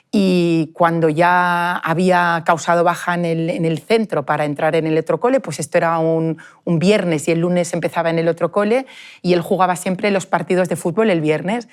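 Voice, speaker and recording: A woman, a parent telling her family's experience in an earnest, emotional way, often halting and restarting. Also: fairly low pitch. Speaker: parent of a bullied child. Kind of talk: personal testimony in a group conversation.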